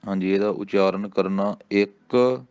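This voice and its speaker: A man from Punjab with a Punjabi accent, teaching correct recitation of scripture and drawing out each recited word slowly and calmly. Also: lowish voice, smooth, no room sound, muffled recording. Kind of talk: slow recitation with pronunciation instruction.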